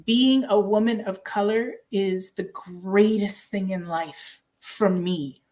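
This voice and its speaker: Woman guest from Canada, middle-pitched, earnest and measured, speaking with pride. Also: darkish tone. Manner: earnest, proud, measured with pauses. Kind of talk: heartfelt interview answer.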